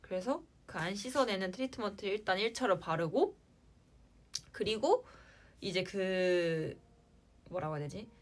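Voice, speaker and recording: A young woman talks casually on a livestream, answering fans' questions. Her pitch leaps around with lively inflection. She likes playful sound words and lets her lines fade out softly. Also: a little slow, long pauses. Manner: chatty, playful sound words, trails off at line ends. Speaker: idol livestream host.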